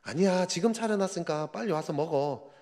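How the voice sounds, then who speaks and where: A man's voice: on the high side, expressive, a little fast, a little mellow. A man voicing an elderly mother who insists her son come and eat now, in an echoing church. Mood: insistent. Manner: insistent, coaxing. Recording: reverberant church hall.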